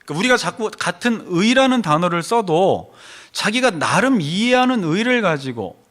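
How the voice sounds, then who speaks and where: A man preaching a sermon as pastor, animated, voicing questions and complaints as he teaches. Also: high voice, normal speed. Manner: animated, acts out questions to God and complaints from the congregation.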